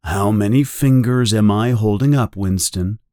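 A man voicing a calm, patient male interrogator who speaks softly and slowly, with quiet menace. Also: lowish voice, clear, resonant tone, no echo, studio quality, close to an everyday voice. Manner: soft, slow and controlled. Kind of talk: audiobook character voice.

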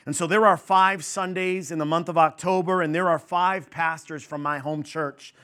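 Bright-voiced pastor preaching conversationally. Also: male voice, on the high side, steady tone, normal speed. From New York. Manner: conversational and warm-humored with the congregation, many fillers. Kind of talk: sermon.

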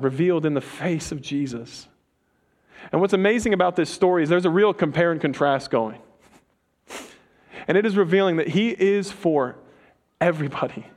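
A young man preaching a sermon in a relaxed, conversational way, with quick asides and slang. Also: sits high. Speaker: pastor.

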